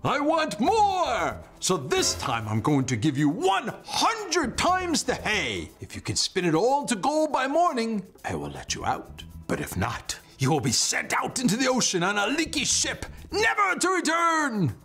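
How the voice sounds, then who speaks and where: Storybook king, played by a woman: pompous, greedy, grandly threatening, pitch leaping all over, music underneath. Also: wildly swooping pitch, a bit bright, slightly rough, heavily acted. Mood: greedy, menacing. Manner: grandiose, drawn-out commands. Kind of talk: children's storytelling. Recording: music behind the voice.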